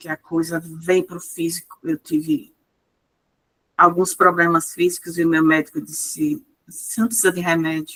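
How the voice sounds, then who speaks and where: An unremarkable speaking voice from a woman, fairly low-pitched and fairly slow, with fairly even intonation and big swings in loudness. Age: 60s. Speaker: spiritist sharing personal grief experience. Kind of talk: testimony.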